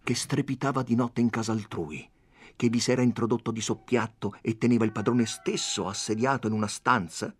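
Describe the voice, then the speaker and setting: A man giving a dramatic reading of a classic novel, expressive and animated. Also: brisk. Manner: expressive, raises pitch for quoted characters. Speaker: audiobook reader.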